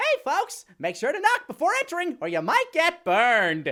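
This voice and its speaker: In a put-on character voice pitched extremely high, the speaker projects loudly at a moderate pace. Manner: goofy.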